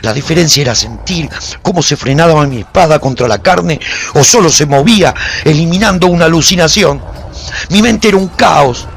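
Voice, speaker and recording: A man's voice: fairly high pitch, animated, moderate pace, vocal fry, slight background noise. An actor playing a haunted warrior who narrates his post-apocalyptic story in a solemn, theatrical, intense way for a radio drama. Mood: frantic, intense. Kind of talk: dramatic first-person scripted narration.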